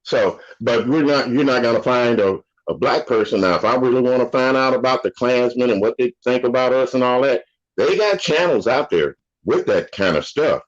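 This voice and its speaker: A man's voice: medium pitch, animated, moderate pace. An older man in casual conversation, an opinionated, rambling storyteller from the United States. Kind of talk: casual chat. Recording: dull lo-fi audio.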